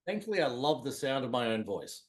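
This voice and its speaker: A man's voice: medium pitch, very animated, brisk. A man appearing as a guest on a sports podcast, dropping dry joking asides. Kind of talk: casual sports chat.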